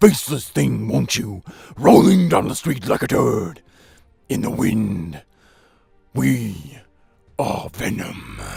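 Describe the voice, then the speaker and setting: A man in a put-on, raspy character voice, fairly slow with long, frequent pauses, music playing in the background. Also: fairly low pitch for a man. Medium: tutorial demo.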